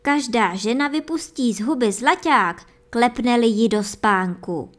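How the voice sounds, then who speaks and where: A woman's voice: a little high, expressive, close to an everyday voice. A cunning gamekeeper from a folk tale, sly and teasing as he strings his neighbour along, as a woman narrator puts him on. The voice is raised a touch above her own and carries a smug, knowing lilt. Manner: sly, teasing, mock-reluctant.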